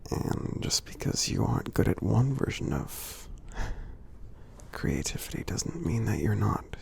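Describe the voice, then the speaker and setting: Heavily acted, with big pitch swings, a man's ASMR roleplay casts him as a friendly, supportive giant. His husky, gravelly low voice stays breathy and half-whispered, slow and gentle, pausing often, with a soothing, reassuring mood.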